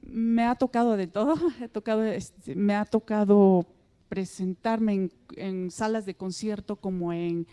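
A Mexican woman whose first language is Mixtec, a singer answering interview questions softly and hesitantly with many fillers. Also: medium pitch, steady tone, measured pace, clean tone. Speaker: singer guest. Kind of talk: interview answers and folk singing.

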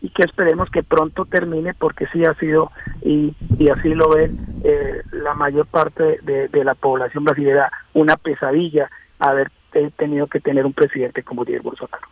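A man analyzing politics as a radio interview guest, thinking aloud with many pauses and restarts. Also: a little high, flat delivery. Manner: thoughtful, many hesitations and restarts. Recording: tinny phone line, dry.

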